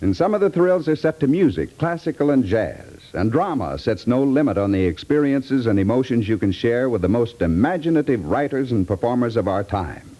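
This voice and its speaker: Old time radio announcer guy, mellow voice, very lively intonation, reading a network promo. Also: medium pitch, brisk, hardly any pauses.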